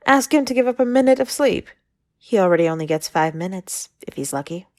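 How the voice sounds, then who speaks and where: A woman's voice: medium pitch, expressive, fairly quick, a little mellow, close to an everyday voice. A woman playing an exasperated, no-nonsense healing angel in an audio drama, assured and a little sardonic. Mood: assured, wry. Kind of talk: dramatic audio roleplay acting.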